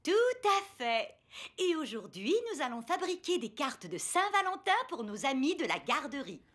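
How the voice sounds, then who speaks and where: A woman's voice: sits high, big pitch swings, normal speed, a bit bright. A woman voicing a kind, encouraging daycare teacher talking to small children in a cartoon.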